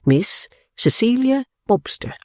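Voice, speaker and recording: Male narrator putting on a jittery old clerk, higher voice, stammering and fond — storybook character. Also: very animated, slow pace, dry recording, studio quality, full character voice. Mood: flustered exultant. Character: excitable older male clerk, fussy and fluttering.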